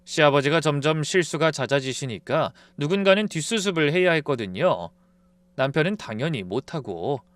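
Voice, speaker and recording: A male narrator tells a first-person family drama in a calm, confiding way. His voice is smooth and resonant, with a lively pitch that rises and falls. It sits somewhat high and sounds dry and close. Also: normal speed, dry recording.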